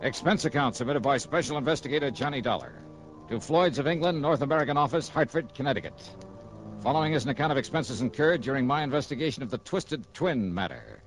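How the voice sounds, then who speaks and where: An actor playing a breezy, wisecracking insurance investigator who also narrates, in a brisk, chatty 1960s radio drama style. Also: male voice, medium pitch, lively intonation, faint music behind, close to an everyday voice, rough recording. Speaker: narrator and lead. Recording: old radio broadcast.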